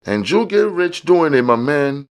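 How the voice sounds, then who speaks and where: A man's voice: on the high side, sing-song, measured pace, clear, resonant tone, voice pushed up. A man voicing a smug, slick drug dealer from a crime audiobook, with boastful, slangy street talk. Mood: smug, persuasive.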